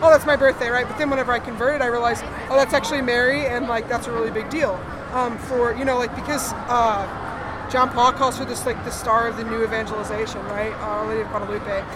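A woman's high voice at a very fast pace, fairly even in intonation, with noticeable background noise and audible room echo. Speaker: podcast co-host. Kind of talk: casual chat. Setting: convention floor with crowd.

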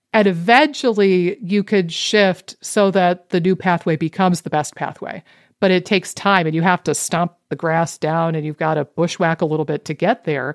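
A woman speaks at a moderate pace with hardly any pauses, her fairly low voice showing ordinary pitch variation, recorded very cleanly with a silent background and a dry, close sound with no echo. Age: 30s. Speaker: podcast host, gut health specialist. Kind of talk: casual chat. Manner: animated.

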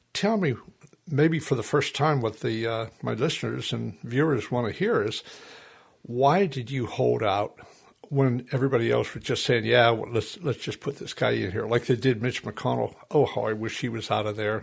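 Talking at a moderate pace, a man speaks with vocal fry. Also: medium pitch for a man, ordinary pitch variation. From Pennsylvania, US. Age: 70s. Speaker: interviewer host. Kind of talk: interview conversation.

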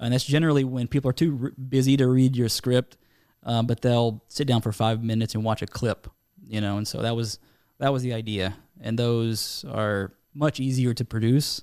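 A man talks in a plain, everyday voice at a moderate pace, with fairly even intonation. The recording is very clean with a silent background. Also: medium pitch for a man. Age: 40s. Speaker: indie film writer-director and novelist. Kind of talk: casual interview chat. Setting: studio.

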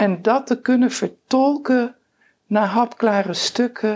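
A woman's high-pitched voice comes through at a fairly slow pace. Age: 60s. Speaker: funeral celebrant. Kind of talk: casual chat. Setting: at a table.

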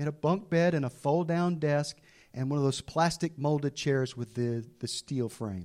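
A man at a moderate pace, his intonation lively. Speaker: pastor. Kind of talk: sermon. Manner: soft-spoken.

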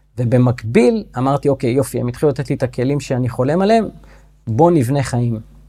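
Here a man talks at a very fast pace with a dark, mellow tone. His voice sits at medium pitch with ordinary variation. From Israel, Jaffa. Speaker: economics teacher and entrepreneur. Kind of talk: interview.

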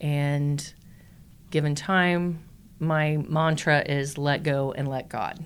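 A woman speaks very slowly with a Midwestern US accent, her pitch very deep and low. Her intonation is monotone and flat. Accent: US Midwest. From Ohio, then southeastern Indiana from age 11. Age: 50s. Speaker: home daycare operator. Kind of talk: personal testimony in an interview.

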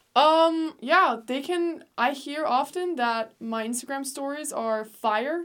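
Speaking at a very slow pace with a Danish accent, the voice shows ordinary pitch variation. There are hardly any pauses. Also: woman, high pitch for a woman. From Denmark. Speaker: college student. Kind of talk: casual chat.

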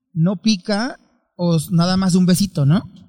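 Pitched high, a man speaks at a fairly slow pace with fairly even intonation. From Oaxaca, southern Mexico. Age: 30s. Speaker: guest, Oaxaca local. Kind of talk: casual chat. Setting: recorded on location in Oaxaca.

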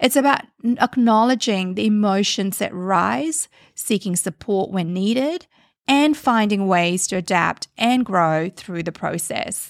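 A woman with a medium pitch talks at a fairly slow pace in an animated, upbeat tone with lively intonation, and the recording is very clean with a silent background. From New Zealand. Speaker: podcast host. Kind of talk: motivational pep talk with personal stories.

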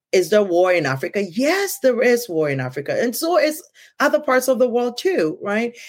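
Her high pitch rises and falls in very wide swings as a woman speaks with a Ghanaian accent. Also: moderate pace. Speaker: immigrant sharing cultural perspective. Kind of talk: casual conversation.

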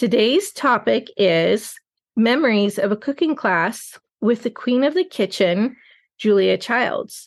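With an American accent and a normal speaking voice, a woman with a fairly high pitch talks at a fairly slow pace with lively intonation against a quiet background. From central coast of California. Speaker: podcast host. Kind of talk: casual interview; scripted outro.

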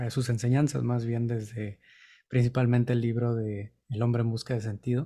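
Over a very clean recording with a silent background, a man speaks in a dark, mellow tone that is somewhat breathy and monotone, with flat intonation. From Mexico, Baja California. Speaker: podcast host. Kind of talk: interview conversation.

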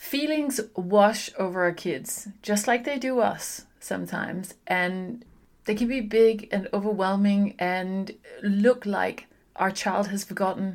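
A woman speaks with a Danish accent. Her pitch is medium, with ordinary variation. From Denmark. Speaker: parenting coach. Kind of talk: solo podcast monologue.

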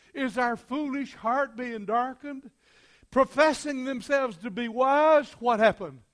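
The voice has a Southern US accent. The recording is very clean, with a silent background. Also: man. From US South, West Tennessee. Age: 80s+. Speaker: pastor. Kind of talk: sermon. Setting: church. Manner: animated.

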